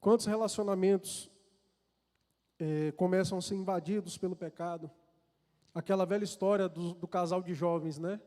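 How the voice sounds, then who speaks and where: Speaking at normal speed with a steady, darkish high voice, a Brazilian-accented preacher earnestly recounts a personal story in a large church hall. The recording carries the hall's long reverb, and he frequently repeats and restarts words.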